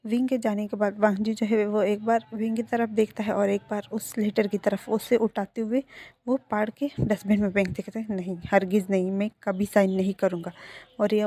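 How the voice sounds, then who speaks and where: A woman's voice: medium pitch, level tone, moderate pace, dark tone. A woman narrating a fan-fiction story in a casual, conversational way with filler phrases.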